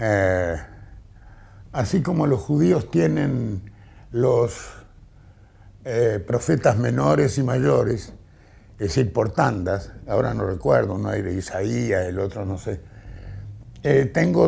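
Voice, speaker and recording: Dark and mellow with vocal fry, the voice moves very slowly through very wide pitch swings and long, frequent pauses. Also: man. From Argentina, Entre Ríos (Gualeguay). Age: 80s+. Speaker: writer. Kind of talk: interview. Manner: hesitant, with fillers.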